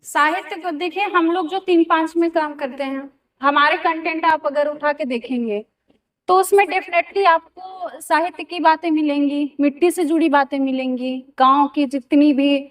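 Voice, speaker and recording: A woman's voice: high voice, moderate pace, recorded from a distance. A woman actress talking earnestly about her work in an interview, with a Bagheli-region Hindi accent. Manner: steady, earnest, reflective. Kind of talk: casual interview talk.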